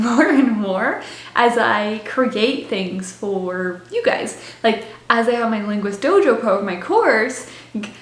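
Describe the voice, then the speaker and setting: A woman's voice: medium pitch, reverberant. A young woman vlogging in casual talk to camera, bubbly and chatty, with little laughs between her words and lots of "like" fillers. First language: English. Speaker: language-learning vlogger.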